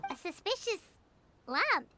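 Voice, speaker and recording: Tiny excitable video game companion creature: extremely high, childlike, wildly animated, dramatic exclamations. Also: female voice, measured pace, heavily acted. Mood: excited, curious. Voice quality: squeaky, childlike.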